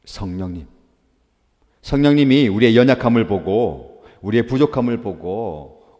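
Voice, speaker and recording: Male pastor, low warm voice, earnest preacherly delivery, poses questions and answers them, long church-hall reverb. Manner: asks rhetorical questions and answers them himself. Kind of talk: daily devotional sermon.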